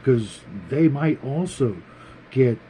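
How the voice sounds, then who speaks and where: A man hosting a tabletop gaming show, talking casually to viewers in a halting way, thinking aloud and repeating words. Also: medium pitch, dark tone, slight background noise, poor audio. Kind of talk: casual, rambling opinion talk to viewers.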